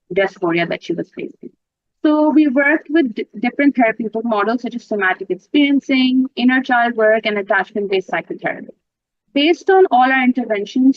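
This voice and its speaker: A woman's voice: a little high, no echo. A woman from Pakistan, a native Urdu speaker, presenting mental health research at a conference in an explanatory way. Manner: explanatory, clarifies terms, occasional fillers. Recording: dull lo-fi dry sound.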